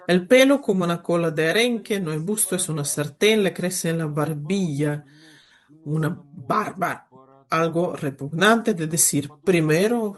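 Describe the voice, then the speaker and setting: Man giving a halting academic lecture. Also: high voice. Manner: measured, explanatory, with occasional halting restarts. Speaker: literature lecturer. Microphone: video call.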